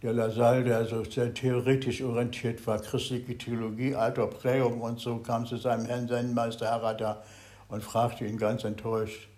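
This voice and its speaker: An older man giving a Zen meditation talk to a group, speaking haltingly, searching for words and swinging between loud and very soft. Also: medium pitch, flat delivery.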